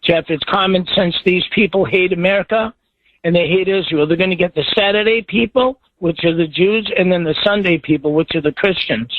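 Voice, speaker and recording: A man's voice: high-pitched, fairly quick, dry recording. A man calling in to a talk radio show, earnest and addressing the host by name again and again. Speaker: caller. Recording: tinny phone line.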